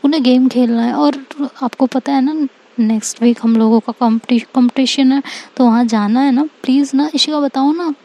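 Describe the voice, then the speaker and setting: A woman's voice: sits high, fairly even intonation, moderate pace, dark tone. A woman voicing a playful teenage schoolgirl who coaxes and pleads, in a told story. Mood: pleading. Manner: coaxing, pleading.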